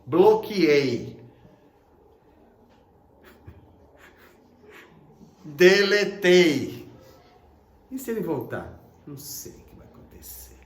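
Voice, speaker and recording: A man with a Brazilian Portuguese accent giving a Sunday gospel sermon, swinging from loud to hushed and acting out little dialogues. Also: fairly high pitch, huge pitch swings, fairly quick, roomy sound. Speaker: preacher.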